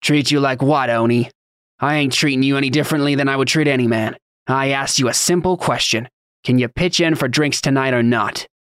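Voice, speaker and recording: A man's voice: medium pitch, fairly quick, fairly bright tone, smooth, no echo, clean studio sound, lightly acted. A man voicing a reckless young dockworker bully in a fantasy audiobook, taunting and swaggering in slangy speech. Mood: goading.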